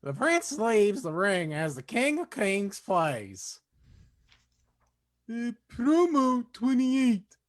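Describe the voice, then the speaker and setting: A woman's voice: a little high, sing-song, very slow, long pauses. A woman reading stage directions as scripted narration for a staged reading.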